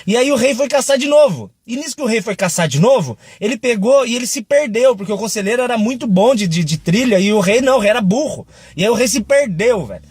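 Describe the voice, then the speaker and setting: A man's voice: high voice, husky, no echo, studio quality. A young Brazilian man giving a casual devotional talk, chatty and joking as he tells a story and acts out its quotes. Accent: Brazilian Portuguese. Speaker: Christian video preacher.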